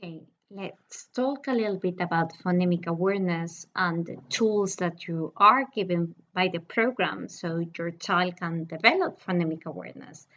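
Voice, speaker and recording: A woman whose first language is Spanish, hosting a channel and calmly explaining a reading program in a scripted, personal review. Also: on the low side, moderate pace, few pauses, muffled recording.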